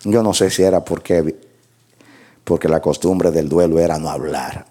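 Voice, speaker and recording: A man's voice: low voice, steady tone, normal speed, warm tone, husky. A man preaching a sermon, reading scripture aloud and commenting on it with rhetorical questions and repeated words for emphasis.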